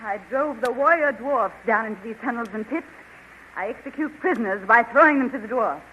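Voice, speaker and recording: A woman's voice: fairly high pitch, brisk, sharp tone, muffled recording. A woman voicing a proud alien queen who begs for her life, in theatrical 1930s radio drama style. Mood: fearful. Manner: pleading, theatrical. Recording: hissy 1930s radio recording.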